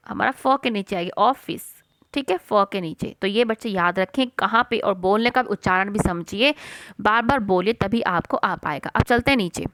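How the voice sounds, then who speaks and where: A woman teaching a worksheet lesson to children. She asks and answers her own questions and repeats words slowly for pronunciation. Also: a little high, fairly bright tone, no echo.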